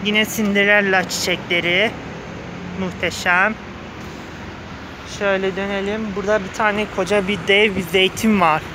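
Through a face mask that dulls his voice a little, a male vlogger delivers enthusiastic, gushing casual commentary, speaking at normal speed in a high, steady tone with long pauses. He's outside a flower shop on the pavement, captured by a handheld phone behind the camera. Passing cars and outdoor urban sounds fill the background.

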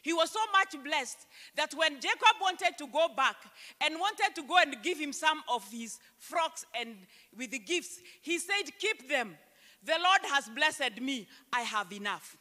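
A Kenyan woman pastor preaching a sermon into a handheld mic on a church stage, emphatic and slowing down to read scripture aloud. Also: high voice, expressive, sharp tone. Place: church stage, large hall. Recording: long church hall reverb.

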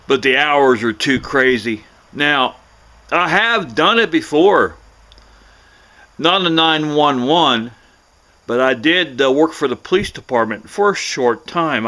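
A middle-aged American man telling a personal story casually to camera in a folksy, halting way, often repeating himself. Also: fairly high pitch, pushed and bright. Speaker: vlogger.

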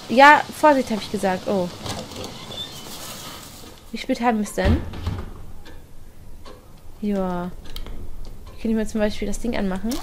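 A woman giving chatty, excitable commentary while playing a horror game, talking to herself and swearing now and then. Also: mid-range voice, slight background noise. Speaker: let's play gamer.

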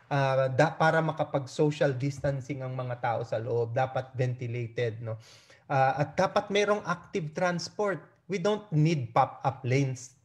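An older Filipino-accented man with a voice a little higher than average. He speaks as a medical representative on a video call, laying out his points with earnest emphasis. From Philippines. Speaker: doctor, medical society representative. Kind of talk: press conference answer, code-switching argument. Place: indoor room on a video call. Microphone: video call computer microphone.

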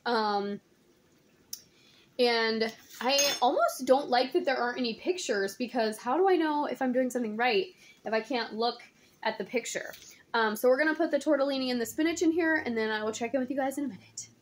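A woman's voice: a little high, fairly quick, slight background noise. Chatty woman filming in her kitchen. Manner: chatty, many ums and likes. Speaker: home cook vlogger. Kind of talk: casual cooking vlog. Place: home kitchen, indoors. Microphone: phone held at arm's length.

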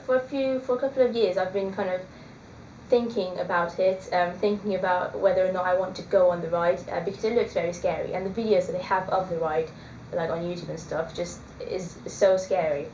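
Chatting casually into her webcam, this vlogger in her twenties hesitates and fills gaps with plenty of ums. Her voice sits lowish and a bit mellow, with slight hiss or hum underneath. It's recorded in a small, echoey indoor room on dull, lo-fi webcam audio.

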